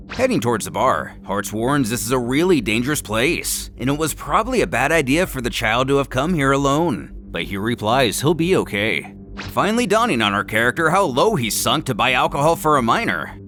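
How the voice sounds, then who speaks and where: A man giving an animated, dramatic scripted narration of a manga story, as a narrator and host. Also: mid-range voice.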